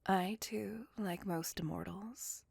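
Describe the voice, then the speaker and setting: A woman voicing a brooding, possessive female vampire in a whispered ASMR roleplay, speaking in a soft, breathy, gravelly whisper close to the mic. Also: mid-range voice, takes it slowly, dry recording, full character voice. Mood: brooding confessional. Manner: soft confessional whisper throughout.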